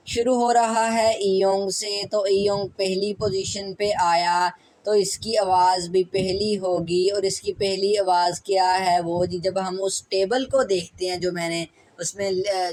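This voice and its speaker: Slow, patient teacher with a Pakistani Urdu accent. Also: mid-range voice, a little mellow, rough recording. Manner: patient, repeats sounds slowly, reassuring. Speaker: Korean language teacher. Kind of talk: step-by-step language lesson.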